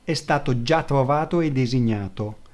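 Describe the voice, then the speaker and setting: A man's voice: medium pitch, normal speed, a little mellow, lightly acted. A man reading aloud, voicing a haughty, imperious aristocratic grand duchess in a raised voice. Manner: imperious, skeptical.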